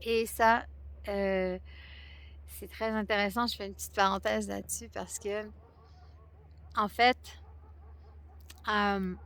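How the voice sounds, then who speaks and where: Québécois accent woman, raspy fry in her voice, talks slow and unsure outdoors. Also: medium pitch, fairly even intonation, fairly bright tone. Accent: Québécois French. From France and Quebec. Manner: hesitant, many pauses and fillers. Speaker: vlogger sharing a fasting experience. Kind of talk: reflective personal talk to camera. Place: outdoors at a spot near hummingbirds.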